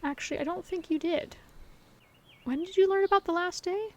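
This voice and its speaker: A woman acting a gentle, hopeful best friend in an audio roleplay, talking to the listener in an earnest, reassuring, conversational way. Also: very high voice, moderate pace. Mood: reflective, then concerned, comforting. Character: gentle, hopeful female best friend comforting her secret crush. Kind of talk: scripted audio roleplay, intimate one-sided dialogue to the listener.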